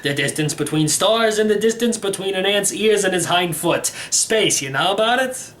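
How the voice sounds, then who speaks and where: A man's voice: sits high, lively intonation, normal speed, a bit bright. A man voicing an elderly, eccentric, brusque uncle from a storybook, teaching by firing off emphatic questions. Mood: brisk, lecturing. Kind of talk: storybook character reading.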